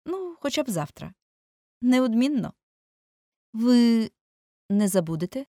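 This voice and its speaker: A woman's voice: a little high, big pitch swings, slow, mellow, no echo, clean studio sound, pitched above the performer's own voice, exaggerated voice. A woman voicing an earnest, anxious painter who pleads and grumbles, raising her voice above her own. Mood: pleading. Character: anxious earnest male painter, middle-aged.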